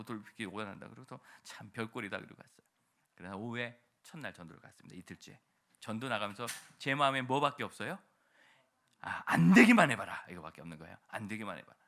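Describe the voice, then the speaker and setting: A man's voice: lowish voice, vocal fry. A male pastor preaching a sermon in a church, telling a story and acting out the voices of the people in it. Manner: animated storytelling, acts out quoted voices.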